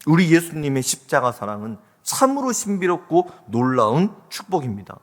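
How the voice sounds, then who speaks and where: A male pastor preaching with fervour, his fairly high voice swinging widely between hushed low phrases and ringing climaxes. Long reverb from the church hall trails each line. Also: sing-song, normal speed. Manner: impassioned preaching with rising, exhorting calls. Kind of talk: sermon. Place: church sanctuary.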